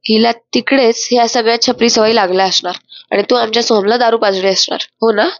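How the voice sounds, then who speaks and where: A woman's voice: on the high side, fairly even intonation, brisk, dry recording, lightly acted. A woman reading a scornful accusing older sister. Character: taunting older sister, sharp-tongued woman. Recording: dry, slightly dull voice-over.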